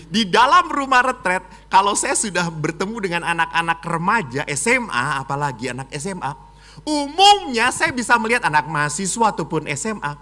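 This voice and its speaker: Middle-aged priest preaching, bright voice, super animated, jumps from loud to whispery, cracks jokes. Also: male voice, high-pitched. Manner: dramatic, swings from loud exclamations to hushed whispers, jokey asides. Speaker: Catholic priest. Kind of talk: lively homily.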